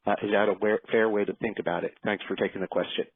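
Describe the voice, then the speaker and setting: A male financial analyst asks his question in halting, filler-heavy phrases. His voice is fairly low and flat in intonation, carried over a dry, narrow telephone line. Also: husky. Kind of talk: spontaneous conference call question. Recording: dry, tinny phone line.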